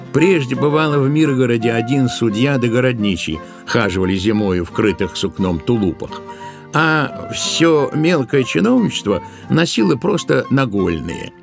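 A man narrating a literary tale for an audio play in an expressive, deliberate way, drawing out certain words. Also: mid-range voice, creaky. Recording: music behind the voice. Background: musical accompaniment.

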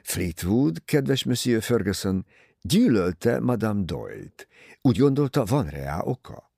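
A man reading an audiobook, voicing a polite, sly older male detective who mocks gently. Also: lowish voice, sing-song, dry recording, studio quality, heavily acted. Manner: smooth, gently mocking.

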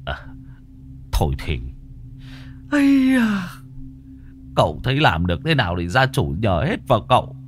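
A man's voice: mid-range voice, huge pitch swings, normal speed, long pauses, voice pushed up. A man voicing a fretful older village homeowner who hesitates and stammers over his words, in a horror story. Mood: flustered.

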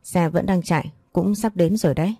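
A woman's voice: fairly low pitch, brisk, mellow, husky, no room sound, studio quality. A woman reading a curt kidnapper on the phone. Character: obedient male kidnapper on the phone.

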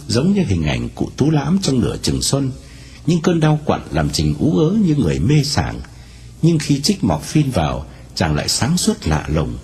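A man narrating a novel aloud in an expressive storytelling manner. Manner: expressive storytelling with wide swings in pitch.

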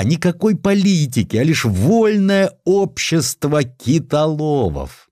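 An actor voicing a blunt, jovial old Russian admiral in an audiobook, with exclamatory, drawn-out, dismissive delivery. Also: male voice, on the high side, a little mellow, dry recording, studio quality, voice pushed up. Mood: breezy, placating. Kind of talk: acted dialogue in an audiobook.

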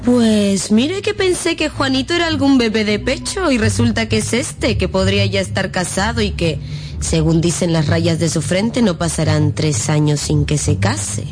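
An actress playing a witty, confident young gypsy fortune-teller in a radio drama, articulate and teasing. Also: female voice, medium pitch, expressive, moderate pace, music in the background, natural voice. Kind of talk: Spanish-language radio drama acting.

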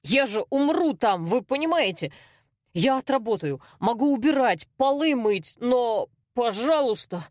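A woman's voice: a little high, very animated, normal speed, husky, no room sound, clean studio sound, exaggerated voice. A woman voicing a panicked young man begging for his life in an audiobook. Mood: pleading. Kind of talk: audiobook character voice.

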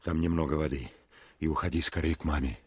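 Radio war drama: protective commander father, very deep and rough-edged, gruffly tender. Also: fairly even intonation, quick pace, no room sound, heavily acted. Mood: tender, urgent.

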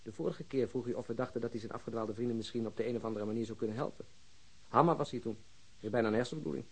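A man's voice: medium pitch, steady tone, racing, breathy edge, rough recording. Matter-of-fact male police detective. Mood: wry, explaining. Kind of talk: Dutch radio crime drama dialogue.

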